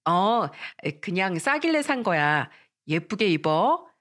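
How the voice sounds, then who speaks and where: A woman voicing a poor, gentle mother who speaks softly and apologetically, in a radio drama reading. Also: mid-range voice, big pitch swings, slow. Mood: evasive.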